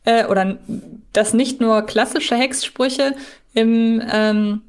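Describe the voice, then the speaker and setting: A woman's voice: fairly high pitch, steady tone, takes it slowly, smooth. A woman co-hosting a podcast in casual discussion, inquisitive and thinking aloud. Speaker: podcast co-host. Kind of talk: casual discussion between fans.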